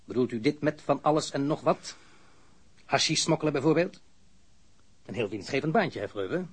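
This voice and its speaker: An actor playing a stern, sarcastic police interrogator in an audio crime drama, probing formally and relentlessly. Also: male voice, mid-range voice, expressive, normal speed, husky. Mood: taunting, insistent.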